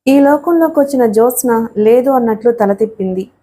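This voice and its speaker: A woman giving a steady, scripted reading of a novel as an audiobook narrator. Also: a little high, brisk.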